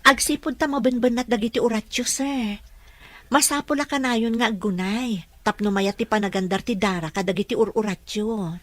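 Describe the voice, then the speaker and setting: A woman with a Filipino Ilocano accent acting a gentle, deferential young caregiver in an audio drama. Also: on the high side, fairly even intonation, normal speed, no room sound, lightly acted. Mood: encouraging.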